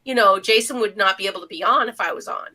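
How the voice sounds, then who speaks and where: A woman's voice: mid-range voice, fast talker, sharp tone. A middle-aged woman co-hosting a podcast, chatting casually and reminiscing. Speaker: podcast co-host.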